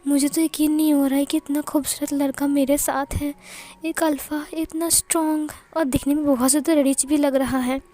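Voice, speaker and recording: A bashful young college boy who trips over his words and keeps correcting himself, as a woman reads him out. He comes across as flustered and eager, with a high voice. It is read as an amateur fan-fiction story. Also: little pitch movement, moderate pace, dark tone, faint music behind, lightly acted. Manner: stammering, flustered. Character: shy flustered young male college student.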